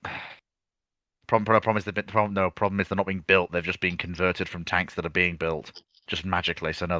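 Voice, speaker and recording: A man's voice: deep voice, pushed and bright, dry recording. A man in an informal debate, arguing his points and repeating them as he rephrases. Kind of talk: informal military history debate.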